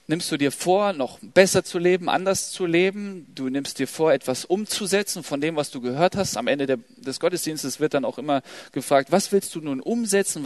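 A man preaching to young people, emphatic and urgent, then dropping to a soft, quiet prayer. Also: fairly high pitch, no echo. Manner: emphatic, swings from loud exhortation to soft prayer. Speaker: youth preacher. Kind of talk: sermon.

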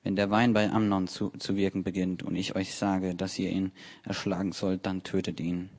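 A man's voice: sits low, level tone, normal speed, darkish tone. A cool, commanding young prince, read by a man. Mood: firm. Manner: firm, commanding.

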